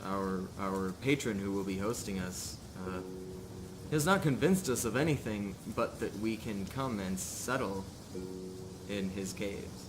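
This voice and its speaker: A man voicing an earnest, weary bearded pilgrim in a tabletop game, speaking haltingly and pleadingly. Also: fairly low pitch, music in the background, natural voice. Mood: earnest, defensive.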